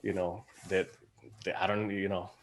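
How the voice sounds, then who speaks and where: A man chats as a guest on a panel. His voice is on the low side, and he speaks informally, feeling his way through loose, tentative phrases. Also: level tone, moderate pace, slight background noise, low-quality recording. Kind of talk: casual conversation.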